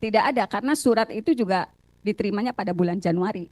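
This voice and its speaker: An Indonesian woman giving courtroom testimony as a witness and lawyer, recounting details haltingly with repeated phrases. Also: medium pitch, darkish tone, no room sound. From Cirebon, Indonesia.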